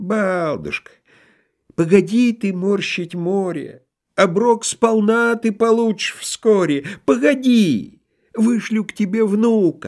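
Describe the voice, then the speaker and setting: A man's high-pitched put-on character voice at a fairly slow pace with long, frequent pauses. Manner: gloomy, pleading.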